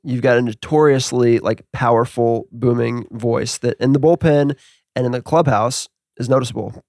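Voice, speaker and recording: Gravelly-voiced male interviewer. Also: mid-range voice, steady tone, normal speed, darkish tone, no room sound, clean studio sound. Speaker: podcast host. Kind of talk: casual interview.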